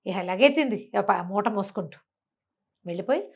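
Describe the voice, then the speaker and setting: A woman's voice: medium pitch, lively intonation, moderate pace, vocal fry. Conversational woman storyteller. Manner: colloquial, rhetorical questions to the listener. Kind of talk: animated oral storytelling, conversational.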